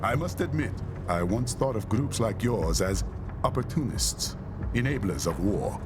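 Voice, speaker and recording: An actor playing a calm, formal middle-aged prime minister in a game cutscene. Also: male voice, lowish voice, noisy background. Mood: measured. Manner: measured, formal, statesmanlike. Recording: game cutscene with loud music behind.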